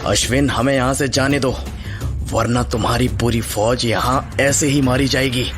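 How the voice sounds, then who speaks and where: Male actor as bold monster slayer, medium pitch, defiant, horror audio drama, loud music bed. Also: fairly even intonation, moderate pace, lightly acted. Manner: defiant, confident. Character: bold, defiant young male vampire fighter.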